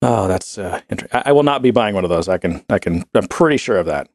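低沉的男声，干声近讲，随意闲聊. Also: male voice, fairly low pitch, animated, fast, darkish tone, dry recording, studio quality. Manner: joking, rambling with restarts. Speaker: podcast co-host. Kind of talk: casual chat.

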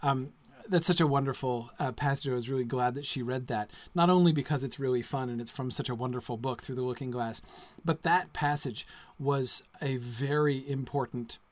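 A man's voice: medium pitch, normal speed, hardly any pauses. Rambling man hosting a reading. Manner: rambling, many fillers. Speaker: event host. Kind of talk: casual remarks between readings.

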